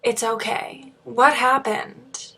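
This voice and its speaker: A woman's voice: on the high side, fairly even intonation, slow, sharp tone, husky, full character voice. A woman voicing a young wife and mother in a horror story, soothing, practical and reassuring.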